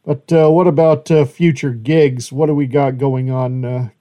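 A man hosting a casual interview, easygoing and filling pauses with lots of "uh". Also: medium pitch, steady tone, warm tone. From Idaho, United States. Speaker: interviewer, show host.

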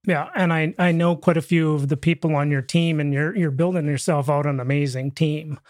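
A man's voice: on the high side, fairly even intonation, brisk, darkish tone, no echo, clean studio sound. A man hosting an interview, rambling and jokey, often restarting his sentences. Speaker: podcast host. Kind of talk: casual interview chat.

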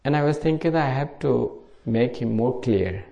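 A middle-aged Buddhist monk from Bangladesh with a Bangladeshi accent, giving an informal dharma talk in simple English at a meditation retreat. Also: male voice, medium pitch, moderate pace, gravelly, dark tone, muffled recording.

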